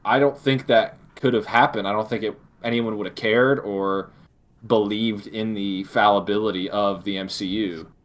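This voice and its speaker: A male podcast co-host with a fairly deep-pitched voice talks casually through the news. He speaks in a halting way, as if working out his thoughts aloud. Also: fairly even intonation. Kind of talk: casual discussion of film news.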